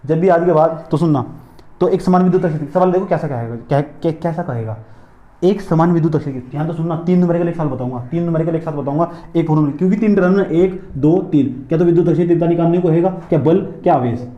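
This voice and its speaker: Fast-talking male physics teacher, echoey room. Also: on the high side, highs cut off. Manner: repetitive, drilling questions to students. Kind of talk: classroom lecture. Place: classroom.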